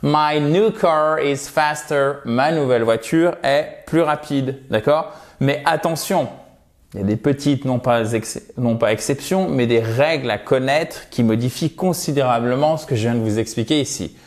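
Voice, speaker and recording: A man's voice: mid-range voice, a little mellow. Man teaching English, stressing each word. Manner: emphatic, slows to model English words and stress. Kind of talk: recorded video lesson over slides.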